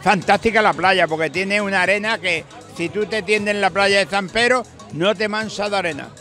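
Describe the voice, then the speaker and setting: On a beach bar terrace at night, an interviewer holds a handheld mic to an older Andalusian man who chats casually, rambling and folksy with plenty of emphasis. His voice sits high and sounds bright and forceful at a moderate pace, while faint music and crowd noise carry behind him.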